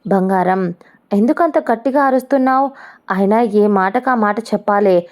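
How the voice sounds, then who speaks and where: A woman voicing a calm young man who talks in a gentle, soothing, teasing way. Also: on the high side, close to an everyday voice.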